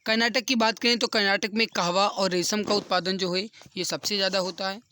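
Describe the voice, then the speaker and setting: High, bright-voiced man teaching. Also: steady tone, brisk, slight background noise. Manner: repeats key answers and points for emphasis. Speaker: exam coaching teacher. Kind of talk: explanatory quiz lesson for exam students.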